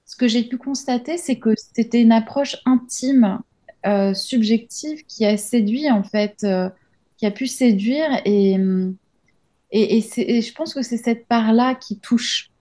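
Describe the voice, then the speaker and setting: A woman's voice: fairly high pitch, a little slow, warm tone. A woman in her thirties giving a reflective interview as an author, thinking aloud with many hesitations and restarts. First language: French. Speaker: interview guest, journalist and author.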